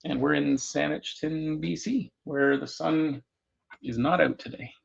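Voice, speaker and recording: Gravelly, husky man on a muffled call. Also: a little high, steady tone, slow. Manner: offhand, joking. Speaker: call participant. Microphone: video call.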